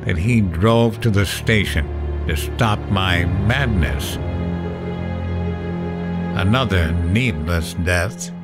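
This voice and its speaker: A man's voice: deep voice, takes it slowly, long pauses, over loud music. An actor playing a terrified middle-aged late-night radio host, narrating his horror ordeal in a dramatic first-person audio drama style. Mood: fearful, grim.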